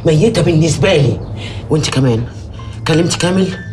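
Commanding middle-aged mother, harsh and unbending, with loud dramatic score under her. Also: sits low, lively intonation, a little fast. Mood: stern. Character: stern grieving mother disowning her daughter. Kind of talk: TV drama acting. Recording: music score behind.

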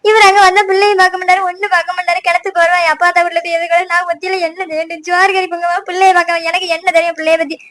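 Sulky young village wife. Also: female voice, very high-pitched, little pitch movement, a bit bright. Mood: tearful pleading. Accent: Tirunelveli Tamil. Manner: scolding, rapid, complaining.

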